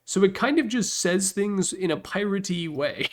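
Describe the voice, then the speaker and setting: Candid, slightly high-voiced man ranking things casually. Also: animated, normal speed. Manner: candid, sweary, blunt opinions. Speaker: host ranking game announcer packs. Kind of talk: casual rambling ranking commentary. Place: his room. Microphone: Yeti desktop microphone.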